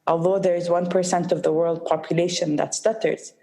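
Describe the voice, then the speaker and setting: A young woman from the United Arab Emirates, a guest in an interview, speaking slowly and with a mild stutter and pauses. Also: fairly low pitch, flat delivery, dark tone. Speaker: guest, social entrepreneur. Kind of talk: interview conversation.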